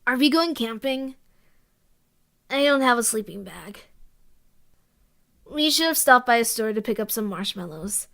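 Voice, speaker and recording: A woman's voice: fairly high pitch, lively intonation, unhurried, creaky, pauses often, fairly bright tone, full character voice. A woman playing a cheeky, defiant young boy in an audio drama, sarcastic and needling. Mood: cheeky taunting.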